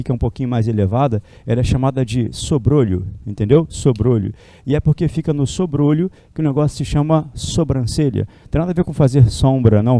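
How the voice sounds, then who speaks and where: A man's voice: mid-range voice, dark tone, no echo. A Brazilian man teaching a classroom lecture in a chatty way, forever tossing tag questions at his students. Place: classroom with a whiteboard.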